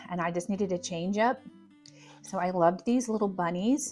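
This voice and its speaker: Music sits behind a woman whose medium-pitched voice shows ordinary pitch variation. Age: 60s. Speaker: budgeting YouTuber. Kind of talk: casual talk to camera.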